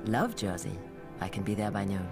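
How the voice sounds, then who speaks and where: An actress playing a driven, secretive history professor in a motion comic, with an intense, measured delivery. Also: female voice, very deep voice. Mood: coaxing. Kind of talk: dramatic motion-comic acting. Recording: dramatic music under the voice.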